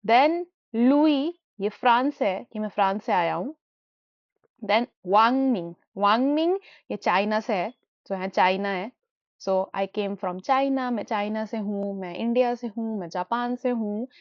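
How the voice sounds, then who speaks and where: A woman teaching a beginner language lesson, mixing Hindi and English and repeating each new word slowly several times as a drill. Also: medium pitch, dry recording. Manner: mixes Hindi and English while explaining. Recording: dull, muffled dry recording.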